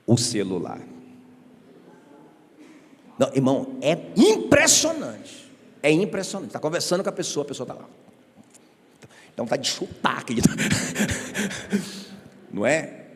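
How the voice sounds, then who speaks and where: A male pastor preaching a sermon in an animated, conversational way, full of rhetorical questions and joking asides, in a church sanctuary. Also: medium pitch, measured pace, long pauses. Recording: reverberant church hall.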